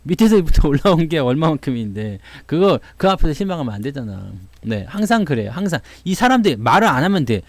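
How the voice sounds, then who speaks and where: Lively chatty Korean man talking stocks. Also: fairly high pitch, quick pace, few pauses, no room sound. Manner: chatty storytelling, acts out quoted voices, laughs often. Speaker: stock market commentator. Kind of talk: casual market talk to viewers.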